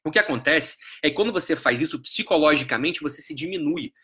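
A man's voice: on the high side, animated, fast talker, bright, forceful tone. A middle-aged Brazilian man giving a live-streamed lecture, emphatic and profane, with frequent rhetorical questions. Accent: Brazilian Portuguese.

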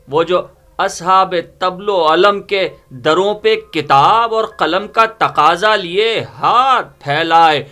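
A middle-aged man recites verse as a dramatic reading, solemn and deliberate in his phrasing. His voice is bright and intense, set a little high for a man. Soft music plays behind him. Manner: theatrical, solemn, deliberate phrasing with repeated lines. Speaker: poetry reciter. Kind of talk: dramatic reading of Urdu poetry. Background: background music.

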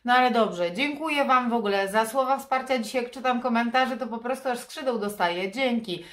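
A woman's voice: fairly high pitch, fairly quick, a bit bright, reverberant. A woman in her thirties with a nasal, stuffed-up voice from a blocked nose and sore throat, chatting candidly to camera in a casual vlog. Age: 30s. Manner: candid, confiding. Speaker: vlogger. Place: furnished room indoors. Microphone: camera propped in front of her.

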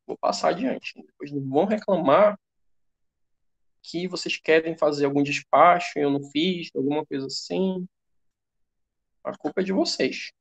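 A man's voice: fairly high pitch, vocal fry, muffled recording. A Brazilian man teaching English online, calling on students and joking with the class. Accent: Brazilian Portuguese. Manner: joking, relaxed classroom banter. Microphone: computer mic on a video call.

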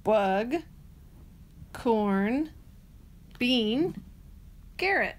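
A woman teacher reading a children's picture book aloud, slowly and clearly, with sing-song rhymes. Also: fairly high pitch, animated.

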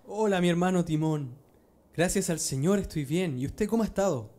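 A man's voice: sits high, moderate pace, a little mellow, close to an everyday voice. A man playing an earnest, persuasive early Christian disciple in an amateur religious radio drama. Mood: friendly.

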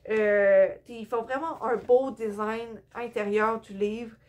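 Chatty young Québécoise, slow and hesitant. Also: female voice, on the high side, fairly even intonation, darkish tone. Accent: Québécois French. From Quebec. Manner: chatty, hesitant, many fillers, tired. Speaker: book vlogger. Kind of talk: casual book haul vlog. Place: indoor room with bookshelves.

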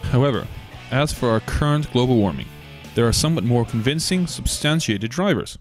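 A very animated man with a mid-range voice reads a scripted documentary narration as soft music plays in the background. His tone is measured yet argumentative, and he poses rhetorical questions.

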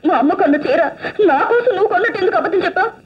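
A wounded young woman, high voice. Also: expressive, very fast. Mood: reproachful. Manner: earnest, wounded, soft-spoken. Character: young woman hurt by her love. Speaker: young woman, the hero's niece. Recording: lo-fi film soundtrack with music behind.

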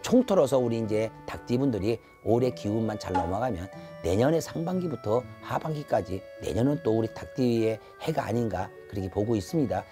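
A man's voice: mid-range voice, dark tone. A man in his fifties giving an earnest, advisory zodiac fortune reading to camera as a shaman, repeating his phrases as he goes. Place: indoor shrine room. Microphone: lapel mic. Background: background music.

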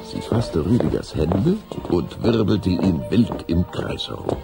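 A man as a measured storybook narrator in a children's audio drama, reading a scripted story. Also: low-pitched, very animated, creaky, over music, full character voice. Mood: narrating.

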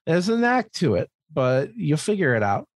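A man's voice: a little high, sing-song, moderate pace, dry recording, clean studio sound. American man, profane casual podcast talker. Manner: profane, emphatic, repeats words as he explains. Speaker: podcast co-host. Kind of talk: casual comedic chat.

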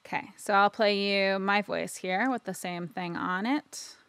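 A woman narrating a casual, informal software tutorial, explaining step by step and checking in as she goes. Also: mid-range voice, measured pace, dry recording. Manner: informal, explanatory, frequent "right?" tags. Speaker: audio editing instructor.

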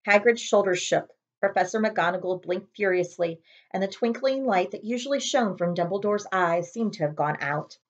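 A woman's voice: medium pitch, highs cut off. A woman in her thirties reading a children's chapter book aloud expressively, recorded on a webcam in a room at home. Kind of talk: storybook read-aloud narration. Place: small home room with window blinds.

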